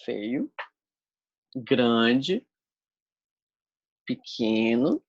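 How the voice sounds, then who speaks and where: A man with a gravelly, slightly husky voice teaches a class. He explains step by step as he shows each sign, and the recording is dull and a bit lo-fi with a dry sound. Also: mid-range voice, very animated, extremely slow, no echo. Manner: explains step by step while demonstrating signs.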